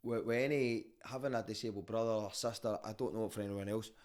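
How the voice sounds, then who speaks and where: A man's voice: lowish voice, steady tone, fast talker, a little mellow. A man with a Glaswegian street Scottish accent, chatting casually and telling stories in a candid, sweary, conversational way. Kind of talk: casual podcast chat and storytelling.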